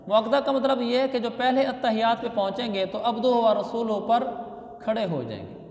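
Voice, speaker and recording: A man's voice: very high-pitched, animated, brisk, darkish tone. A man from Pakistan, giving a religious lesson as a mufti and explaining step by step, repeating key phrases. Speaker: mufti teaching Islamic law. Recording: echoey hall with long reverb.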